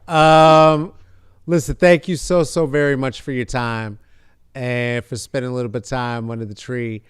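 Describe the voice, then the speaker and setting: Guy hosting a chill chat show, smooth clear voice, dry sound, rambly and jokey. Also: medium pitch, steady tone, moderate pace, dry recording. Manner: rambling and playful, swings from hushed earnest to loud hype. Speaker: podcast host. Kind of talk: casual chat. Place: video call.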